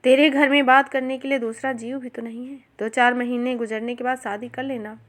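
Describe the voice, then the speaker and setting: A woman's voice: a little high, little pitch movement, a little fast, fairly bright tone, natural voice. A woman voicing a proud, stubborn middle-aged village shoemaker who speaks firmly and plainly. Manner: firm, resentful, plainspoken.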